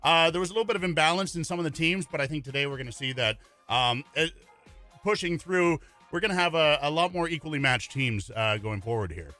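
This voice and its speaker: A man co-casting an esports event, halting at times, then upbeat. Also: a little high, expressive, pushed and bright, soft background music. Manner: hesitant starts, then upbeat promo delivery. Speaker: esports co-caster.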